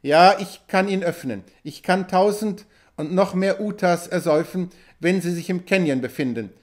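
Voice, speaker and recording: A man voicing a proud tribal chief in an audiobook, speaking in loud, urgent exclamations. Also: sits high, moderate pace, lightly acted.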